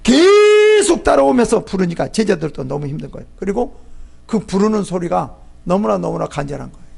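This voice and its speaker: A man preaching a sermon as a pastor, animated and acting out the voices of people in the story. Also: sits high, fast, creaky, husky.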